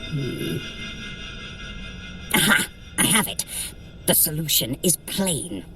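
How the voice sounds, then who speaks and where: An actress playing a haughty, mischievous trickster god in an audio adventure, theatrical, arch and wry as they guide a runner. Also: female voice, low-pitched, big pitch swings, takes it slowly, music in the background, exaggerated voice. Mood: smug. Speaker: voice actor guiding a running workout. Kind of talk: in-character audio adventure narration.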